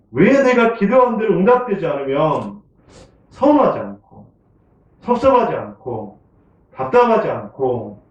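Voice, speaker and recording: A man preaches in a church, his voice bouncing around a reverberant room and picked up from a distance. His pitch swings widely as he asks the congregation one question after another. He chuckles often. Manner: conversational, keeps asking the congregation questions. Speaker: pastor. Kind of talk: sermon. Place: church sanctuary. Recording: echoey room, from a distant mic, dull sound.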